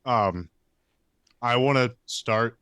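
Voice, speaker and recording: A man's voice: medium pitch, extremely slow, fairly bright tone, smooth, dry recording, studio quality. A man playing a tabletop game, casually improvising and describing what his character does.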